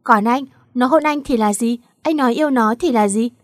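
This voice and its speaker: A woman voicing a hurt, gentle young wife in a read-aloud story, sounding close and dry. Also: a little high, moderate pace, no echo, close to an everyday voice. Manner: pleading, then confronting.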